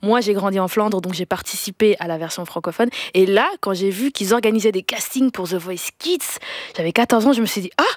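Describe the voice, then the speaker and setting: A young woman from Belgium, a singer, telling her story in a relaxed interview with lively restarts and quick laughs. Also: mid-range voice, dry recording, studio quality. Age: young adult. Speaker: singer, guest. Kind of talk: casual interview chat.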